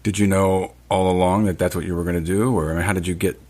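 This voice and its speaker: A man's voice: low voice, fairly even intonation, fast talker, a little mellow. A man hosting a podcast, asking his guest direct, probing interview questions. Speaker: podcast host.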